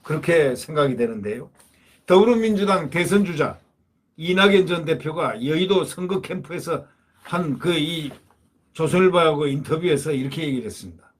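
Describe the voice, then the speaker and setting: A man's voice: fairly high pitch, lively intonation, moderate pace. A man giving solo political commentary, talking emphatically and repeating phrases to drive his points home.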